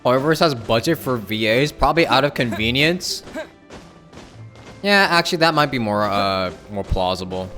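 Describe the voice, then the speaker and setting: A man's voice: mid-range voice, animated, normal speed, sharp tone. A man doing casual livestream commentary on a game while chatting with viewers, close on the mic. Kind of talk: casual gameplay commentary and chat reading. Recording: game music behind the voice.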